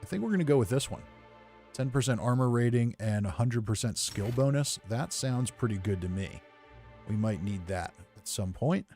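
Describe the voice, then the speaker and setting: A man's voice: medium pitch, lively intonation, normal speed, dark tone, faint music behind. A man giving easygoing, casual game commentary, thinking aloud as he plays. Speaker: gamer narrating playthrough.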